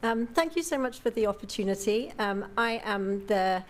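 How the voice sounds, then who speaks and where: A woman's voice: mid-range voice, animated, normal speed. Chatty British woman at a meeting. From Britain. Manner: warm, grateful, chatty with fillers. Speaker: parent giving public comment. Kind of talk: friendly public comment. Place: school board meeting room.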